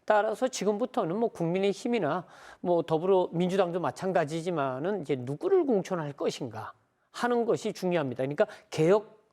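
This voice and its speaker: Professor guest, mid-pitched, steady analytical explainer, hedges conclusions. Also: brisk. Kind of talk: political analysis on a TV panel.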